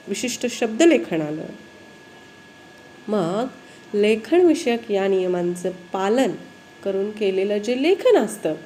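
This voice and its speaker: A woman teacher, giving a spelling lesson slowly and often asking her pupils questions. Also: medium pitch, dark tone, a little hiss or hum.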